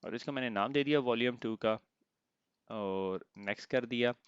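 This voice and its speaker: A man teaching an IT lesson step by step, pausing often to check in, his throat slightly sore. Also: medium pitch, clear, resonant tone, dry recording, highs cut off. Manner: explains step by step, often asks "theek hai?". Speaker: IT instructor. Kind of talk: screen-recorded software tutorial.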